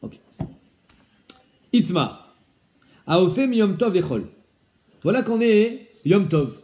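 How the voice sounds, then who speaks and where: Male Talmud teacher, fairly high voice, lively questioning style, casual study session. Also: takes it slowly. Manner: lively, explains by asking questions, mixes in Hebrew and Aramaic terms.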